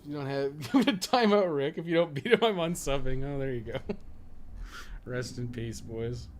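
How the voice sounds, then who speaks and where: A man's voice: medium pitch, lively intonation, moderate pace. A man giving casual live video game commentary as a streamer, with a wry, offhand, sarcastic way of talking.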